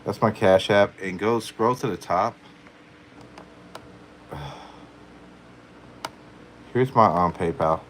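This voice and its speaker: A very low-voiced man chats casually on a live stream, answering viewers' questions. He keeps it playful and chuckles often. Faint hiss sits behind his voice. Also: slow pace, long pauses, a bit bright, poor audio. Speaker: tarot reader, live stream host.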